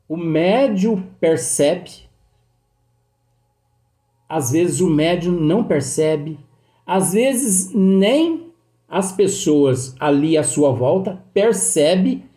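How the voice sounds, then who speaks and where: A man with a Brazilian Portuguese accent who teaches slowly and patiently, going back over each point. His voice is mellow and dark, at a middle pitch. He sounds like he is in an echoey room. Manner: slow, repeating and explaining, with many fillers. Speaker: spiritist teacher. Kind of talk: slow study talk reading and explaining a book.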